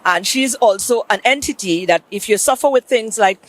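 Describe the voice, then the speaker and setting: A woman's voice: medium pitch, moderate pace. A woman from Saint Lucia hosting a morning show, chatty and prompting her guests along. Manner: chatty, encouraging, warmly prompting. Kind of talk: conversational TV interview.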